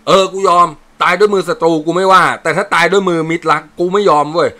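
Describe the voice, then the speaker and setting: A man voicing a brash, quarrelsome male soldier who talks loud and coarse. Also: sits high, fast, pitched above the performer's own voice. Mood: defiant.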